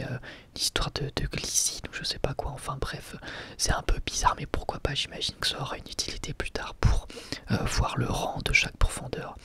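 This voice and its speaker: A man whispering softly and breathily in an unscripted ASMR review, halting and correcting himself as he goes. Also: medium pitch. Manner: hesitant, halting phrasing with frequent self-corrections. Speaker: ASMR video host reviewing anime.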